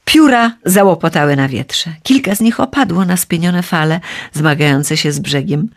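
Woman storyteller, children's myth, expressive reading, lowish voice, creaky. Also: normal speed. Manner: expressive, lively reading aloud.

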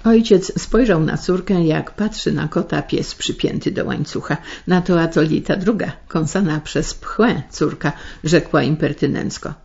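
Gravelly-voiced woman reading on the radio. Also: low voice. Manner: measured, expressive reading. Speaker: radio story reader and host. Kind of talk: scripted radio narration. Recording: slightly muffled radio broadcast.

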